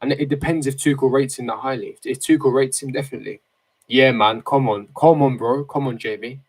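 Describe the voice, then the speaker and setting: Teenage lad in casual livestream chat. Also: male voice, mid-range voice, fairly even intonation, a little fast, breathy edge. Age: 18, late teens. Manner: slangy, opinionated, repeats himself for emphasis. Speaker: football fan streamer. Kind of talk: casual livestream chat, reading and answering viewer comments. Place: small bedroom, indoors. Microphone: desk microphone close in front.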